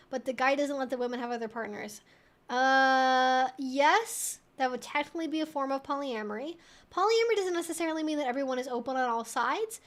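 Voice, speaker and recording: A young adult woman with a high-pitched voice hosts a casual livestream. She answers questions in an informal, chatty way, reasoning aloud as she goes. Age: 20s to 30s. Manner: chatty, informal, thinking out loud.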